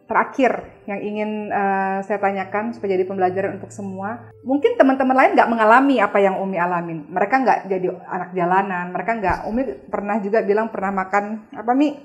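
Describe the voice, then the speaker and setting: A woman's voice: mid-range voice, fairly quick, soft background music. Attentive woman interviewer. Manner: attentive, frequent soft backchannels, summarizing for viewers. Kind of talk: conversational interview.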